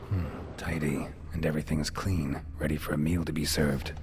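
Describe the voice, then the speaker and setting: Over clear background noise, a man puts on a character voice and speaks at a fairly quick pace. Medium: machinima. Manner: dry, blunt.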